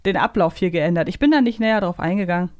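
A woman's voice: fairly low pitch, fast, darkish tone, no echo. Woman podcaster chatting, close dry sound. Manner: enthusiastic, thinks aloud in long winding sentences. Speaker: podcast host. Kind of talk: casual fan chat and quiz banter.

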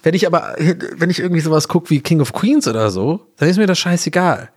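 A man's voice: on the high side, lively intonation, fast. A man hosting a casual solo podcast, rambling through his thoughts with self-mocking laughs. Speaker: podcast host.

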